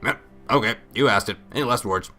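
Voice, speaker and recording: Gruff video game soldier played by a man, low, deadpan, unhurried, few words, light music underneath. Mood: grim, commanding. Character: gruff, laconic male soldier hero of a game.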